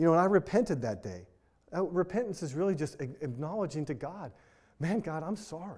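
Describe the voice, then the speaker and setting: A man with an American accent talks at a fairly quick pace and fairly high pitch, his tone dark and mellow with vocal fry. His intonation is lively, and the very clean recording has a silent background. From California. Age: 50s. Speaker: pastor. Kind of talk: sermon. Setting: church.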